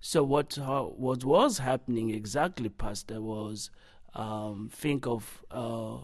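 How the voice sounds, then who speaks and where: With fairly even intonation, a man speaks at a very slow pace. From Congo. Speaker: refugee and foundation founder. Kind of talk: interview testimony. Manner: halting.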